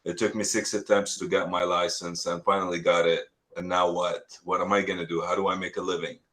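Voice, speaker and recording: Deep-voiced man from Lebanon. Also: little pitch movement, a bit bright. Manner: earnest, halting, with many restarts and fillers. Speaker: real estate agent, guest. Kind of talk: casual interview talk.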